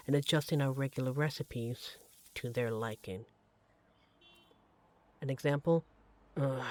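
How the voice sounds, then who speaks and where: In a one-sided ASMR roleplay about domestic life, a performer plays an affectionate, teasing vampire barista in a mid-range, darkish voice close to an everyday one. A frying pan sizzles clearly in the background.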